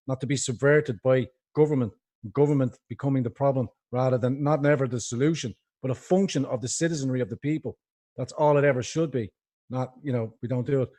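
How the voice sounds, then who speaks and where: A man's voice: mid-range voice, darkish tone. A man with a Dublin accent, a guest on a livestream interview, talking in a rambling, impassioned way over a video call. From Ireland.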